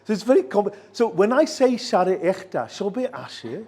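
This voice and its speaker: Brief older English man, slightly high voice, quick and chatty, jokey counselor addressing students. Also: big pitch swings, darkish tone. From England. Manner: chatty and joking, filler-heavy, switching between English and Bengali. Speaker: visiting education counselor and professor. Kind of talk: informal talk to students.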